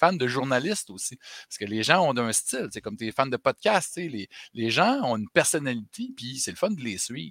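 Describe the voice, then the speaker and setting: With a bright, sharp tone and very wide pitch swings, a man speaks at a medium pitch and moderate pace in a dry, close sound with no echo. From Quebec, Saguenay. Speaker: podcast co-host. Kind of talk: casual chat.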